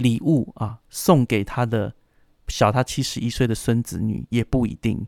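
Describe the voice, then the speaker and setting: A man speaks in a Taiwanese accent with a relaxed tone. The recording is very clean with a silent background, and the sound is dry and close with no echo. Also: medium pitch for a man, ordinary pitch variation, fairly slow pace. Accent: Taiwanese Mandarin. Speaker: podcast host, book reviewer. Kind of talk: solo book review podcast. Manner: relaxed, with frequent fillers.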